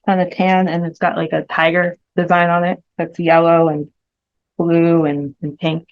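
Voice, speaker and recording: A woman in her twenties, a guest describing herself casually in a relaxed, hesitant way. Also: fairly low pitch, normal speed, no echo. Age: 20s. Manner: relaxed, hesitant, many fillers. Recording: slightly muffled lo-fi audio.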